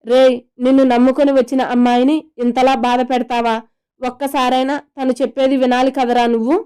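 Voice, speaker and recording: A woman's voice: sits high, little pitch movement, brisk, dark tone, clear, resonant tone, close to an everyday voice. A woman voicing a young man's scolding, questioning best friend in a romantic audio story.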